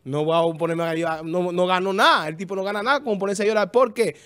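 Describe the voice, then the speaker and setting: A man hosting a TV show, chatting casually and making his point emphatically, repeating words as he lectures about looking on the bright side. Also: high-pitched, fast. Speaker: TV show host. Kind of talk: casual studio banter on a TV show.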